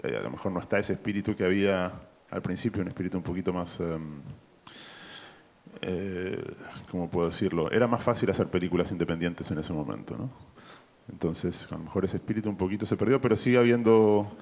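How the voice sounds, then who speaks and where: A man's voice: low voice, brisk, vocal fry, darkish tone. A man in his fifties with an Argentine accent, a film director speaking thoughtfully with many fillers into a handheld mic in a small festival room. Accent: Argentine Spanish. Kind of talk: festival press interview.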